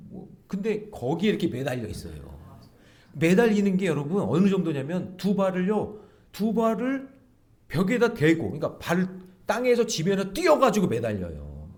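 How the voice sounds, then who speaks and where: Animated male preacher, lively pitch. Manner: animated preaching, acts out quoted voices, asks the congregation questions. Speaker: pastor. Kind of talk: early morning prayer sermon. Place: church sanctuary.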